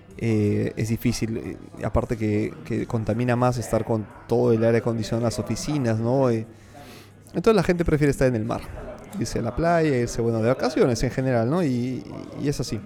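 A man speaks at a fairly quick pace in a medium pitch with ordinary pitch variation over noticeable background noise. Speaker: podcast host. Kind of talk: casual monologue. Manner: hesitant, many fillers and repetitions.

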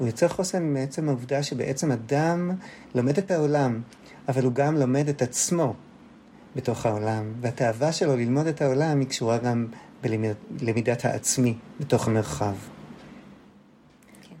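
At a fairly slow pace, a man speaks in a medium pitch with a dark, mellow tone and ordinary pitch variation. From Israel, Afula. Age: 50s. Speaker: drama therapist. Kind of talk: interview. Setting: therapy centre, in person.

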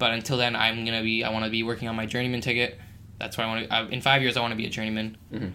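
Very fast, monotone, flat speech from a man with a Canadian accent at medium pitch, with audible room echo and noticeable background noise. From Vancouver Island, British Columbia, Canada. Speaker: podcast host, electrician. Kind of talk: casual chat.

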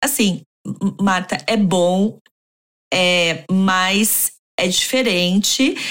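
A woman speaks at a very slow pace with long, frequent pauses, in a São Paulo accent. Her pitch is medium with ordinary variation. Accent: Brazilian Portuguese, São Paulo (paulistano). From Brazil, São Paulo city. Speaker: industrial designer living abroad. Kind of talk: interview, casual chat.

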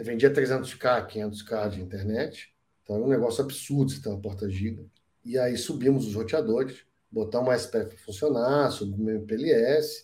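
A man with a medium-pitched, dark, mellow tone talks at a moderate pace, somewhat breathy, with audible room echo. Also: ordinary pitch variation. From Rio de Janeiro, Brazil. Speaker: network instructor and telecom entrepreneur. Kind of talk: casual interview chat.

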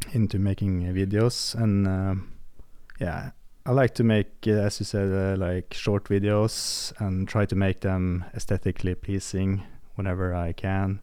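A man with a Norwegian accent speaks at a fairly slow pace in a fairly low pitch, his tone dark and mellow and his intonation monotone and flat, on a very clean recording with a silent background. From Norway. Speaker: jazz trumpeter and beatmaker. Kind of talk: casual chat.

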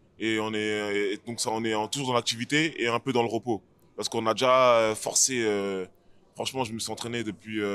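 Medium-pitched male voice at a moderate pace, fairly even intonation, very clean recording with a silent background. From France, Paris suburbs (Seine-Saint-Denis), Guadeloupean family. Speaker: professional MMA fighter. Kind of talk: interview. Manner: halting, many fillers.

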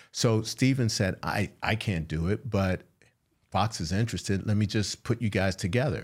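In a very clean recording with a silent background, a man with a normal speaking voice talks at a moderate pace, his pitch fairly low with ordinary variation. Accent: American. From US, Pittsburgh. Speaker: film editor and director. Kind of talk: interview conversation.

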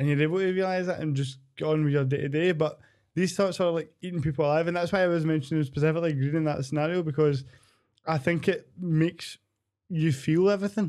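A very fast delivery in a Scottish accent, with fairly even intonation and a quiet background. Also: man, fairly high pitch for a man. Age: 20s. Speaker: podcaster guest. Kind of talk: casual chat.

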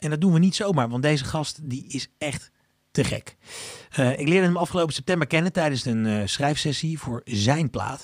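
The pace here is moderate. It is an ordinary speaking voice, and its pitch varies in an ordinary way. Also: man, fairly high pitch for a man. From Netherlands, Leidschendam. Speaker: podcast host, guitarist. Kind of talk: casual interview. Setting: live remote stream.

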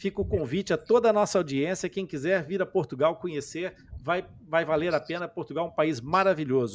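This man has a high pitch, ordinary pitch variation, and a fairly quick pace. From Brazil. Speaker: dentist and podcast host. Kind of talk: casual chat. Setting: online live call.

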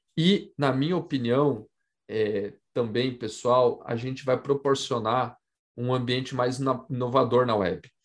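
A man at a medium pitch, very slow, with ordinary pitch variation. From Brazil, Mato Grosso do Sul (Campo Grande). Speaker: election disinformation expert, technologist. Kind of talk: interview conversation. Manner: hesitant, many fillers.

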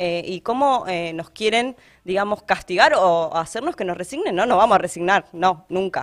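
The recording is very clean with a silent background, and a woman talks at a moderate pace with lively intonation. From Argentina, Greater Buenos Aires (La Matanza). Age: 20s. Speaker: teacher and local election candidate. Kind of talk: interview. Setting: studio.

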